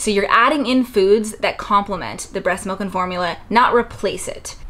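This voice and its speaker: Here a woman talks at a moderate pace with ordinary pitch variation. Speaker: mom vlogger. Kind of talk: casual vlog chat. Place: home room. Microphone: camera far.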